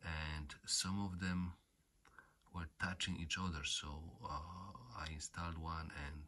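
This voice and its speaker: A man who is not a native English speaker, giving an unscripted hands-on repair explanation in a halting, repetitive way, often saying okay. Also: a bass voice, level tone, bright, forceful tone. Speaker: repair tutorial host. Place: indoors at home.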